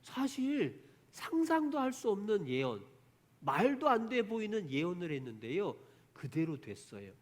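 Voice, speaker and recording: In a sing-song voice at a measured pace, this man leads an online Bible class for kids. His storytelling is emphatic and full of big pitch swings, and he keeps posing questions to the children only to answer them on his own.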